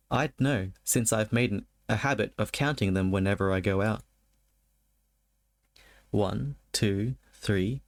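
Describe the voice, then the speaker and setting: A man livestreaming a horror game, moving between casual chat with viewers and reading story text aloud, often halting and repeating words when he chats. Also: on the low side, no room sound. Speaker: livestreamer, host of a spooky game stream.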